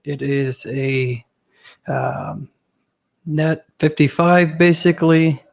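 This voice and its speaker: A man hosting his own channel, talking casually to viewers with a hoarse voice from a cold, full of ums and uhs. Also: a little high, steady tone, slow. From Ohio, US. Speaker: host.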